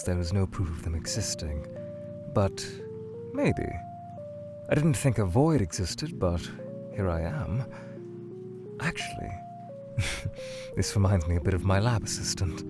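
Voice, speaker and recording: A man voicing a formal, anxious male skeleton scientist who is lost in a void, speaking in a measured way that can turn frantic and pleading. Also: low voice, big pitch swings, heavily acted. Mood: composed. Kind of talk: fan audio drama. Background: music.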